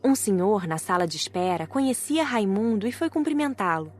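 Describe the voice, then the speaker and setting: A woman's voice: mid-range voice, expressive, moderate pace, soft background music. A woman reading scripted first-person audiobook narration.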